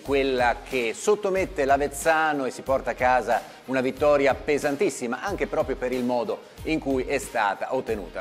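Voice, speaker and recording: A man's voice: mid-range voice, long reverb tail. A man in his fifties hosting a studio sports report, speaking in long, formal sentences. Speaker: sports programme host. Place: indoor TV studio. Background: music.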